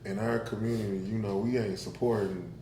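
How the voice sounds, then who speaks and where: Low-voiced Black Southern man, folksy podcast guest. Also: steady tone, a little fast, dark tone, a little hiss or hum. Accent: Black Southern American. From Alabama, southern US. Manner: folksy, colloquial. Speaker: podcast guest, whiskey brand founder. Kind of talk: casual conversation. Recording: echoey room, faint music behind.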